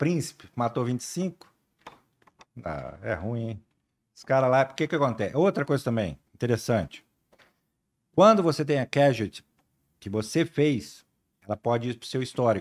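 With long, frequent pauses and big swings in loudness, a man speaks at a moderate pace and medium pitch with lively intonation. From Brazil, São Paulo area; Brazil. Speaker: US Army sergeant, combat veteran. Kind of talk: casual podcast interview. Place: studio. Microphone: studio mic.

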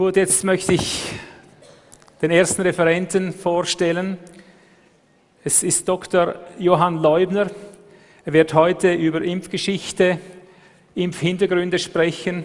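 Pausing long and often, a man speaks very slowly in a high, monotone, flat voice. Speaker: congress organizer introducing speaker. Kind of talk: stage introduction and speech. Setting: stage with audience.

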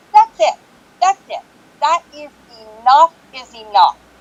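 A woman speaks at a moderate pace in a high pitch, with noticeable background noise behind her. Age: 50s. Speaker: resident commenting at council meeting. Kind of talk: public comment.

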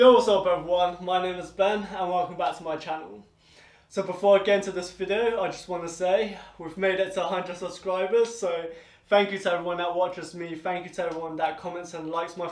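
The speech comes at a very fast pace with fairly even intonation. Room echo is audible. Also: man, high pitch for a man. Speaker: fitness vlogger. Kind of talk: casual vlog chat. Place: garage. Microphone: camera far.

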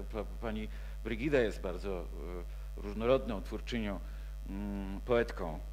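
Light background noise is audible. Over it, a man talks. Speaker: panel moderator, literature professor. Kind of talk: moderated literary panel discussion. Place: hall. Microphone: handheld.

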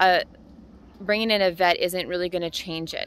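The speech comes at a moderate pace with a dry sound that has no echo. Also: woman. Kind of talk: casual vlog chat. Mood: subdued, sad, hesitant. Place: forest. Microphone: phone near.

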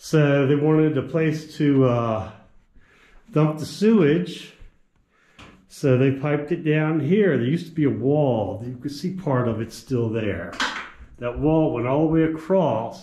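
A man's somewhat breathy voice with a dark, mellow tone, lively intonation and a fairly slow pace, with audible room echo over a quiet background. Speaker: tour guide. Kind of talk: guided tour commentary. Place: tunnel cave. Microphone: phone near.

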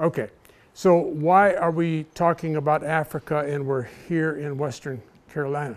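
A man speaks with fairly even intonation. He has a plain, everyday voice. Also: fairly high pitch for a man, moderate pace. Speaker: agricultural equipment consultant. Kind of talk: equipment demonstration.

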